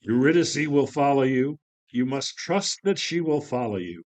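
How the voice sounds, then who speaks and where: A stern lord of the dead , acted by a man in a stage play. He is imperious and curt, giving orders in a mid-pitched male voice. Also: animated, normal speed, a little mellow, natural voice. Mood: grave, commanding. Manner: commanding, curt. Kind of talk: dramatic play reading.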